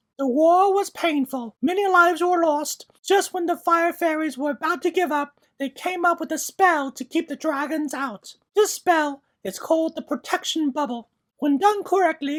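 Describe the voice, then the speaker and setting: A put-on character voice, high-pitched and squeaky. It moves at a moderate pace with hardly any pauses. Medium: machinima. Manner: clear, measured, lecturing.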